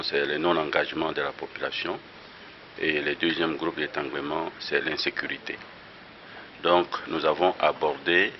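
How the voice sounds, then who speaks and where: Man, very deep voice, slow and halting, dull lo-fi news audio. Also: heavy background noise. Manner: slow, halting, many hesitations. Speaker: health official. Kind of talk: press statement.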